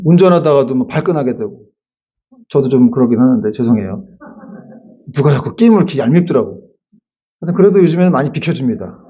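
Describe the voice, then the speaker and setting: Man, pastor, lively sermon, high-pitched, slightly muffled church recording. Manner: lively preaching with acted-out quotes and asides. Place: church sanctuary.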